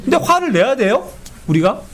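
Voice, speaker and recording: A man teaching a Bible study in an animated way, who keeps asking his listeners to agree and acts out quoted speech. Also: very high voice, fairly quick. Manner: animated, often asks the group for agreement.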